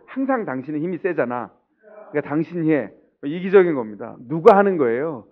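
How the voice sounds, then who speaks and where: A middle-aged man preaching a sermon as pastor, putting rhetorical questions to the congregation and acting out the people in his stories. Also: a little high. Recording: tinny, narrow-band lo-fi sound.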